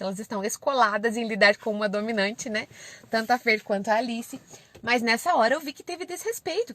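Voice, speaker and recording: A woman's voice: a little high, no room sound. A woman in her thirties with a Brazilian Portuguese accent, giving parenting advice in casual live-stream talk from inside a car, often checking in with "né?" and "certo?". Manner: warm and conversational, often adds "né?" and "certo?".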